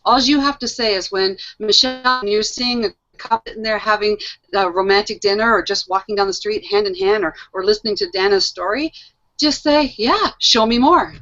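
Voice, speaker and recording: A middle-aged woman hosting a casual panel discussion, animated and laughing often, repeating phrases for emphasis. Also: medium pitch, moderate pace. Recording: muffled lo-fi audio.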